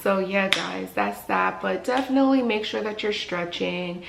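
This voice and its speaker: A woman talks through her work as a dental hygienist in a casual, encouraging vlog, often repeating a phrase for emphasis. Her voice has a gravelly edge, and the room around her is echoey, with a faint hiss behind her. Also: mid-range voice, steady tone, moderate pace.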